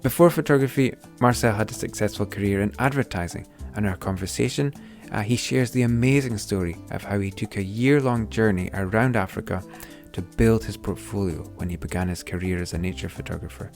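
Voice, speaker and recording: A man's voice: on the low side, brisk, few pauses, darkish tone, faint music behind. A man hosting a podcast, enthusiastic, with fillers and some hesitation. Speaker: podcast host. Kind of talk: podcast intro and interviewing.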